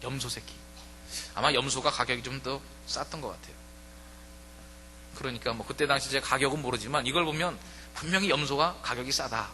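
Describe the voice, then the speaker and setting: A man's voice: medium pitch, brisk, pauses often, pushed and bright, in a large hall, slight background noise. A man pastor giving a conversational sermon, acting out quoted voices as he preaches. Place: church sanctuary.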